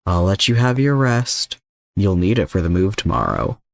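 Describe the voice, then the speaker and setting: A man voicing a calm, manipulative older mercenary villain in an audio story, composed and coaxing. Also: low voice, moderate pace, gravelly, no echo, exaggerated voice. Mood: smug, composed.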